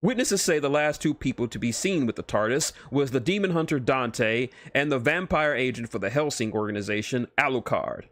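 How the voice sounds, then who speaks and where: A man's voice: mid-range voice, expressive, brisk, few pauses, a bit bright. A man streaming a read-aloud of fan fiction as narrator, stumbling over words and correcting himself now and then.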